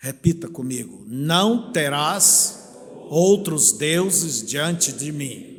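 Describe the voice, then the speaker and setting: Very slowly, a man with a fairly high pitch speaks with lively intonation. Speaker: pastor. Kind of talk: sermon.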